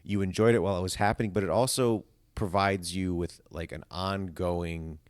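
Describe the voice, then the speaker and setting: A man with a low voice speaks at a normal speed in a steady tone, with no room sound. He's a stage actor appearing as a podcast guest, talking casually and philosophizing about his ideas in a rambling, emphatic way.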